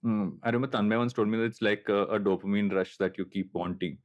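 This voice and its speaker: This man's voice is on the low side, with fairly even intonation and a quick pace. In his late thirties and hailing from coastal Andhra Pradesh, India, he hosts a podcast in a Telugu Indian accent, sharing casual, reflective anecdotes with a self-deprecating streak.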